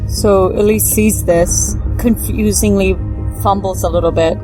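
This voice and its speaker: A woman's voice: medium pitch, fairly even intonation, measured pace, rough recording. A woman playing a tabletop game, casually talking through and narrating what her character does. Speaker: player. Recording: music behind the voice.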